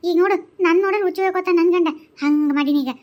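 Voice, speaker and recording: A woman's voice: very high voice, racing, a little mellow. A woman voicing a confident village woman in a cartoon who gives firm, soothing advice, with a North Karnataka Kannada accent. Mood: confiding. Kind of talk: cartoon voice acting.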